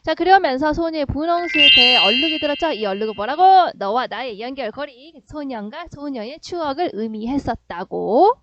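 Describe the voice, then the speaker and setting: A woman's voice: high-pitched, expressive, normal speed, few pauses, fairly bright tone, dull audio, slight background noise. A woman teaching a middle school Korean literature lesson online. She asks her students questions, answers them herself, and acts out the quoted lines. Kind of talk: online lesson explaining a story.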